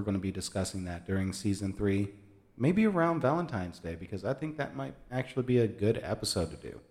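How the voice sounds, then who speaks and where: At a fairly quick pace, a man with an unremarkable speaking voice talks at a fairly low pitch with lively intonation. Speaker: podcast host. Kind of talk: casual podcast chat, unscripted. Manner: theatrical, flowery.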